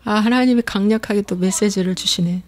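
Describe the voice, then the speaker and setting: A woman's voice: mid-range voice, fairly quick. A woman pastor preaching a sermon with emphasis, repeating key phrases and acting out the voices of complaining believers.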